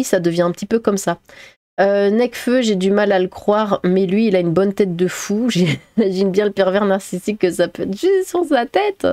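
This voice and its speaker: A woman streams from home, talking casually at a mid pitch into a close mic. Her talk rambles and stalls on hesitations, then turns into sarcastic asides. The sound is dry and close, with no room around it. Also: a little mellow, no echo. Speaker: streamer reacting to chat. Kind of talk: casual livestream commentary. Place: at home, cat nearby.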